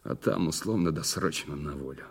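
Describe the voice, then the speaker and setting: Prisoner under questioning, audio drama: deep male working-class type, surly, clipped replies, sardonic and defiant. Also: normal speed, gravelly, husky, exaggerated voice. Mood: gruff, matter-of-fact. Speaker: actor in an audio play. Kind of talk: naturalistic audio drama dialogue.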